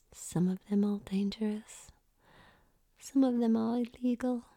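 A woman voicing a young foreign woman who gives orders in a measured, formal whisper. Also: medium pitch, warm tone, no echo, studio quality. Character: commanding foreign young woman, cool and controlled.

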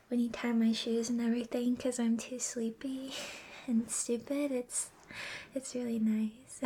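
A young woman whispering softly and giggling often into a close mic, doing an ASMR roleplay. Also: a little high, slightly rough. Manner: soft whispering with frequent giggles.

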